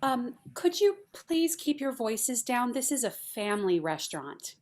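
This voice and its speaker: A woman's voice: on the high side, very animated, unhurried, a little mellow. A woman playing a polite but firm restaurant waitress in a table read. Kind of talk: amateur virtual table read.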